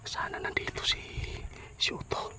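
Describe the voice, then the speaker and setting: A man giving whispered gameplay commentary, hushed most of the time and breaking into loud, excited shouts. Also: normal speed. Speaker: gamer.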